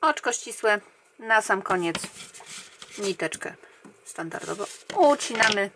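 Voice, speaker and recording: Slow, calm woman counting crochet stitches. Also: mid-range voice, a little hiss or hum. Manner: calm, counting stitches aloud, often trailing off quietly. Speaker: crochet tutorial host. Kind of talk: step-by-step crochet instruction.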